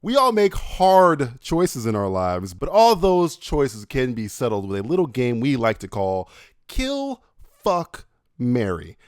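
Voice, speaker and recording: A man hosting a podcast in casual, profane banter, excitable and laughing often. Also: mid-range voice, a little slow, hardly any pauses. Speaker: podcast host.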